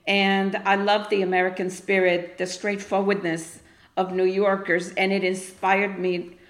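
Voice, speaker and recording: A woman's voice: mid-range voice, flat delivery, unhurried. Outspoken Argentine-born woman, echoey room. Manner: outspoken, blunt and emphatic. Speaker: guest poet. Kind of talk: casual interview chat.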